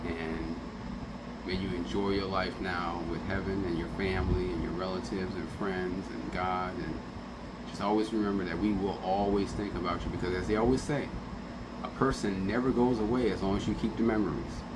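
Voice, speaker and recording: A man's voice: low-pitched, little pitch movement, moderate pace, very noisy. A man speaking as a radio host in a casual, affectionate, conversational way, as in a heartfelt tribute. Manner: conversational, affectionate, often acting out remembered quotes. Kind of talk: heartfelt spoken tribute to a late friend, casual radio talk.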